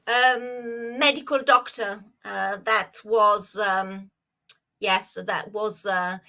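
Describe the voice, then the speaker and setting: Slow, bright-voiced Italian-born woman. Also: mid-range voice, fairly even intonation, vocal fry. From Italy. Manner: hesitant, many fillers and restarts. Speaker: psychologist and former dancer, guest. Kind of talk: interview answers.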